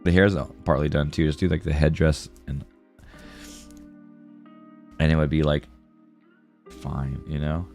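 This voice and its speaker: A man with a very deep, creaky, darkish voice chats with viewers while drawing on an art livestream, music playing behind him. He's unhurried and steady, pausing often, friendly and slangy. A sore throat and congestion affect his voice.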